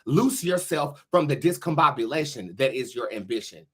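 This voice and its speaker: A man's voice: mid-range voice, moderate pace, breathy edge. Sassy American man reading tarot. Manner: sassy, expressive, profane slang. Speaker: tarot reader and show host. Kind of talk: live tarot reading talk show.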